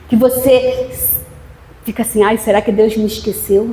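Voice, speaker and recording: Noticeable background noise and audible room echo accompany a woman as she speaks. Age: 60s. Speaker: pastor. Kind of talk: sermon. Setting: church service with congregation.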